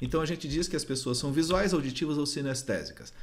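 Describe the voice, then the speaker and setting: There is audible room echo around this man as he talks. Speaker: sales trainer and coach. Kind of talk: training review lecture. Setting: seated recording to camera. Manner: fast.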